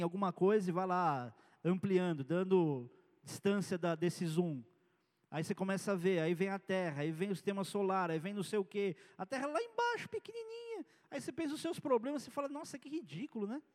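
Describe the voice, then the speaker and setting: A man's voice: high-pitched, darkish tone, big-room sound. A man preaching a sermon as pastor, in a conversational style with personal stories.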